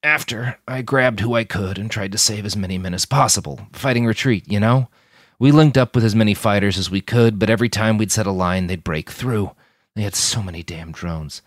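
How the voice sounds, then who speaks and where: A man's voice: on the low side, brisk, no room sound, clean studio sound. A man voicing a badly wounded army major who talks in a slurred, pained, wry way.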